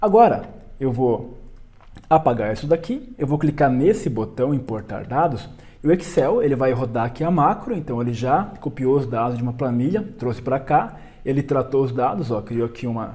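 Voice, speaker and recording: Somewhat breathy and dark, mellow in tone, a man with a medium pitch and ordinary pitch variation speaks at a moderate pace. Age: 30s. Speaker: online course teacher and founder. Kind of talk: tutorial. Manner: casual.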